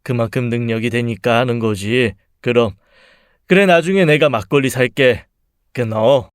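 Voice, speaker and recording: Proud, gruff older father, read by a man, clear and close in a story reading. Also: mid-range voice, moderate pace, dry recording, close to an everyday voice. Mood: boastful.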